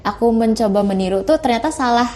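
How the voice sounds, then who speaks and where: Chatty young woman with a slightly high voice. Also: fast talker, darkish tone, a little hiss or hum. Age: young adult. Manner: chatty, laughs while telling stories. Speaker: guest, university student. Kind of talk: casual chat.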